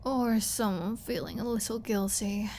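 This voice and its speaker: A woman's voice: fairly high pitch, moderate pace, dark tone, a little hiss or hum, lightly acted. A woman playing a flirty, defiant captive vampire in an ASMR audio roleplay, teasing and mocking with a sarcastic drawl.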